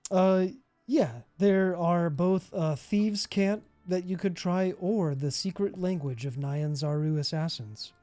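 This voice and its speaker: A man running a tabletop game as game master, talking slowly and patiently. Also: high voice, dark tone.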